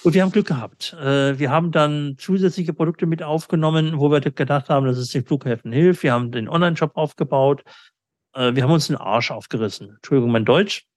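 A middle-aged man answering business interview questions reflectively, often pausing in mid-sentence as he talks. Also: a little high, a little mellow, no room sound, studio quality. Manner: halting, with frequent pauses mid-sentence. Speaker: interviewee, company owner and sales agent.

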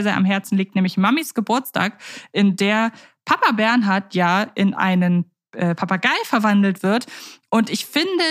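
A woman co-hosting a podcast, talking in a relaxed, thoughtful way and often correcting herself as she goes. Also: medium pitch. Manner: thoughtful, self-correcting, measured. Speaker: podcast co-host. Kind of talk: casual chat about radio plays.

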